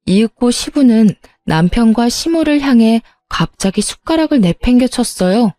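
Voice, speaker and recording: A woman narrating a dramatized story in a calm, steady manner and voicing herself in it. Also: a little high, moderate pace, dry recording, soft background music.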